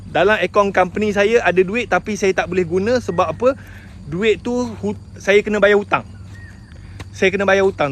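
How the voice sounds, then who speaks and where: Recorded with slight background noise, a sales agent with a high voice and a Malaysian Malay accent shares his personal struggles in an emotional motivational talk. He keeps addressing his audience as tuan-tuan and slips English words into his storytelling.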